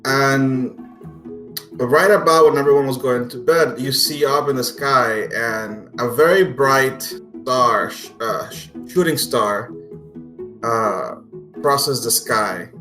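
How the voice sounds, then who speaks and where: A man's voice: mid-range voice, takes it slowly, bright, forceful tone. A man narrating a tabletop game casually as game master, in a playful, jokey manner. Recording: roomy echo, music behind.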